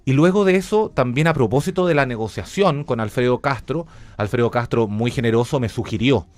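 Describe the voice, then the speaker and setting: A middle-aged Chilean man speaks as a guest in a radio interview. His voice sits at an ordinary pitch, and he explains things in a reflective, conversational way, often retelling what was said. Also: a little fast, darkish tone, no echo. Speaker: interview guest, journalist and radio theatre director.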